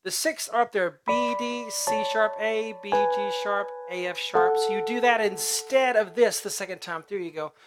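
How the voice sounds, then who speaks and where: A man with a high voice teaching a piano piece step by step, chatting casually as he calls out note names and hums the riffs. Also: steady tone, normal speed, hardly any pauses. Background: loud piano playing.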